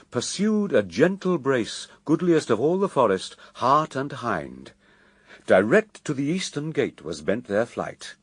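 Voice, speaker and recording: A man narrating a radio verse drama in a measured, solemn, literary delivery. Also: mid-range voice, no room sound.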